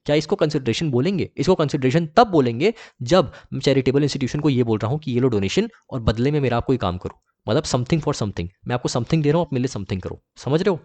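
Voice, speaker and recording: A young man with an Indian accent, tutoring commerce students in a lecture, repeating points and reading rules out slowly in English. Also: mid-range voice, animated, a little mellow. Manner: repetitive, reassuring, reads rules slowly in English. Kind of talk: exam-prep lecture.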